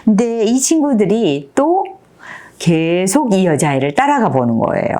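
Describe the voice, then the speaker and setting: A picture book is talked through for an audience by a woman in her fifties who works as a teacher; her storytelling is animated and she constantly asks her listeners questions. Her voice is medium-pitched and a little slow.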